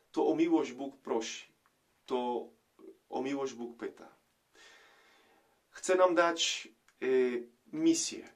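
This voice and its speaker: Slow, reflective priest giving a homily. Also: male voice, a little high. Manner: slow, reflective, with many hesitation sounds. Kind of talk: gospel commentary homily. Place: small indoor room, plain wall.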